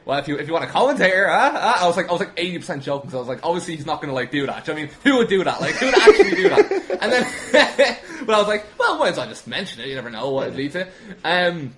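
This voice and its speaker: A young Irishman who works as a wrestling commentator appears as a podcast guest, telling anecdotes in an animated, self-deprecating style. His voice is slightly high, he speaks very fast, and he swears casually.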